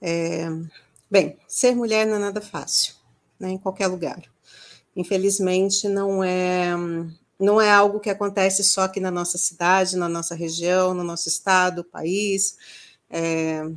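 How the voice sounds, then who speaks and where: Flat and monotone, a woman speaks at a fairly slow pace with long, frequent pauses. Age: 40s. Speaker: audiovisual artist and cultural producer; interview guest. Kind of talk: interview. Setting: video call. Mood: engaged, smiling, earnest. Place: home room.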